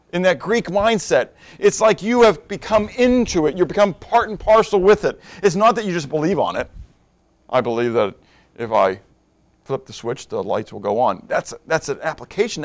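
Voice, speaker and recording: This middle-aged pastor has a high voice. His sermon feels like a conversation, with questions aimed at the congregation and a movement from whispered asides to emphatic statements.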